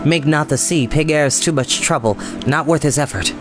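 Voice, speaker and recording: A man's voice: fairly high pitch, moderate pace, music in the background, natural voice. A man reading the part of a determined young male scholar in a storybook, with an urgent, resolute manner. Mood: firm, urgent.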